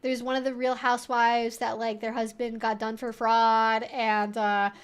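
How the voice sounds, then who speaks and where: Female streamer, high voice, informal and rambling, casual Q&A chat delivery. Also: little pitch movement, a little slow, clean tone. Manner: rambling, informal, frequent "like" and swearing. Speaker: livestream host.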